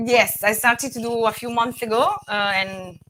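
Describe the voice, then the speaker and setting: A woman speaks with an Italian accent. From Italy. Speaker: veterinarian. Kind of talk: interview answer.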